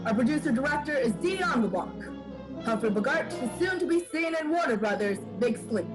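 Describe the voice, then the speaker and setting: A woman's voice: sits high, lively intonation, normal speed. 1940s-style radio announcer, played by a woman, polished and showy, with music behind. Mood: showy, formal. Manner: formal, showy presentation. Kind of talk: old-time radio announcing, scripted.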